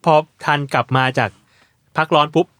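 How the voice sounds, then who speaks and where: A man's voice: normal speed, a bit bright, dry recording. A man co-hosting a casual podcast chat, blunt and teasing, using coarse slang. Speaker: podcast co-host.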